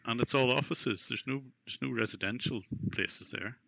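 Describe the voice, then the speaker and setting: A man with a gravelly voice, questioning someone in a persistent, skeptical, conversational way. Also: mid-range voice, moderate pace, sharp tone, low-quality recording. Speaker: scam baiter questioning a scam caller.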